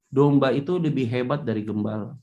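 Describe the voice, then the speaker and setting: A male pastor preaching a lively sermon, acting out the voices of church members and people he quotes. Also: medium pitch, a little fast, dull audio. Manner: animated, acts out voices of congregants and quotes.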